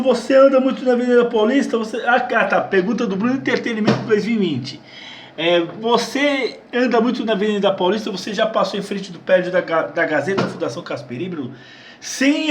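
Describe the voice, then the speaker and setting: A man from Brazil chats loosely through viewer questions. He restarts his sentences often and repeats words as he goes. His voice sits fairly high, and the room around him rings with echo. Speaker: channel host answering viewer questions. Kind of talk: casual Q&A chat. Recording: echoey room.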